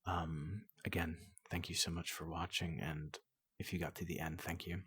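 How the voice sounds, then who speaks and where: Soft-spoken man with a low, flat voice. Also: moderate pace, breathy edge, no echo, studio quality. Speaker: ASMR video creator. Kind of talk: soft-spoken unscripted ASMR outro. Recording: noticeable background noise.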